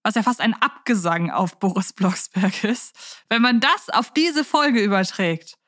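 A woman's voice: medium pitch, lively intonation, unhurried, fairly bright tone, no echo, studio quality. A woman co-hosting a podcast in a conversational, reflective way, explaining things in detail. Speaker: podcast co-host.

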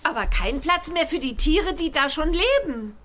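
A woman's voice: high voice, animated, normal speed, fairly bright tone. A woman playing an earnest, indignant young girl in a children's audio drama, urgent and pleading.

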